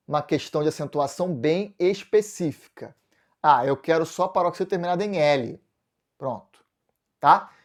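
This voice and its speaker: A male Portuguese teacher with a Brazilian Portuguese accent leads a video lesson, working through exam answers step by step and answering his own questions. His voice is fairly high and a little mellow.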